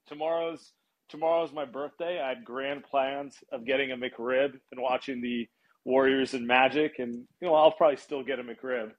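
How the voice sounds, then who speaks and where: Man, podcast guest, mid-pitched voice, relaxed and friendly. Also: rough recording. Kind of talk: casual sports podcast talk.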